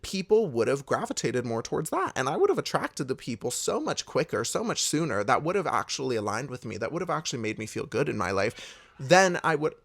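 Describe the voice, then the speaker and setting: Animated young man with a gravelly voice. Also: fairly quick. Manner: emphatic and expressive, swears freely, big swoops in pitch; candid and confiding. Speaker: vlogger giving a pep talk. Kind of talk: candid motivational monologue.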